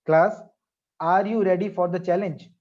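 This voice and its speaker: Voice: medium pitch, steady tone, moderate pace, a little mellow, lo-fi sound. A teacher with a South Asian accent leading an interactive online maths class, repeating phrases and questions to prompt pupils.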